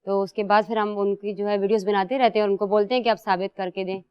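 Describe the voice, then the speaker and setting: Giggly young woman with very smooth voice. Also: mid-range voice, steady tone, no echo, highs cut off. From Pakistan. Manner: giggly, casual and defiant. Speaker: contestant. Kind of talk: audition interview answers.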